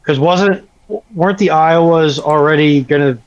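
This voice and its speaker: A fairly high-voiced man chats casually as a guest on a live panel. He talks with wry understatement, and the sound is dull and lo-fi. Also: unhurried.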